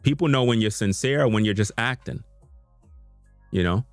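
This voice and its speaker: Speaking at normal speed in a mid-range voice, a male YouTuber addresses his audience during an unscripted live stream from his computer in a room at home. He's earnest and tends to repeat himself, using slangy language. There's no room sound, just soft background music.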